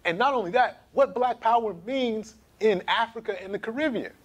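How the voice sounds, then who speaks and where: A man in his thirties giving an emphatic, animated history lecture to camera in a small studio. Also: sits high, moderate pace. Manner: animated, emphatic, gesturing while pacing.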